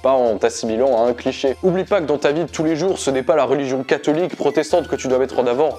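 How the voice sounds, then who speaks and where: A man's voice: mid-range voice, fast talker, warm tone, faint music behind. Upbeat man hosting a faith vlog. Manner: upbeat, direct and joking. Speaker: faith video host. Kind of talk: energetic faith advice vlog.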